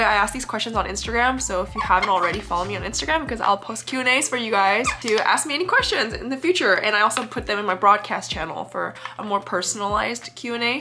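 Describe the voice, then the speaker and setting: A woman in her twenties who is sick and phlegmy, chatting casually while doing her makeup. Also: fairly high pitch. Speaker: vlogger. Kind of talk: casual get-ready-with-me chat.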